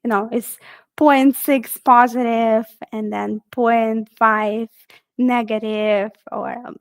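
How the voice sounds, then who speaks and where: A woman's voice: a little high, steady tone, takes it slowly, smooth, no room sound. A woman presenting a technical webinar in a casual, friendly way, with frequent fillers.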